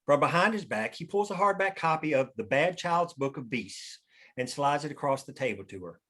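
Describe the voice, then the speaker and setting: A man's voice: a little high, lively intonation, moderate pace, pushed and bright. A man narrating stage directions at a script table read.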